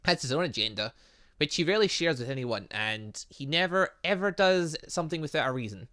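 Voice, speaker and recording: He's a gaming video host whose voice is on the high side, pushed and bright, animated and brisk. While playing a story game he reads its dialogue aloud with casual asides, frequently stumbling on words and self-correcting.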